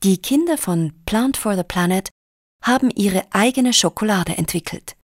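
A woman's voice: mid-range voice, expressive, moderate pace, no echo, studio quality, lightly acted. A woman playing an upbeat radio magazine presenter, reading a scripted report articulately.

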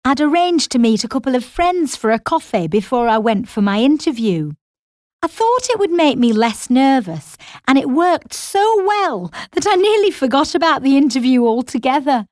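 A woman's voice: high voice, big pitch swings, moderate pace, a little mellow, no echo, clean studio sound. A woman playing a chatty storyteller, recounting a scripted personal anecdote. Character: chatty woman recounting her own mistake.

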